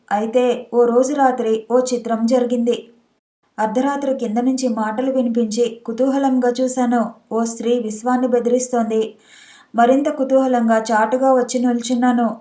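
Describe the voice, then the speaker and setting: A woman reading a first-person story aloud as an audiobook narrator, steady and even throughout. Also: a little high. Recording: echoey room.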